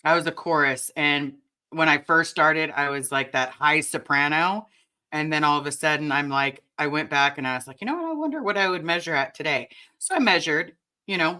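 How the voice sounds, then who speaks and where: A woman with a raspy voice hosting a casual livestream chat and talking straight to her viewers. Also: sits low. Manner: chatty and animated, addresses the chat directly. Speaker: livestream host.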